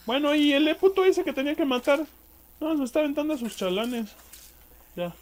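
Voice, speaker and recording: Swearing Mexican gamer commentating. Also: male voice, very high voice, lively intonation, moderate pace. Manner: crude slangy banter, swearing at enemies. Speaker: gameplay streamer. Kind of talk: casual let's-play commentary.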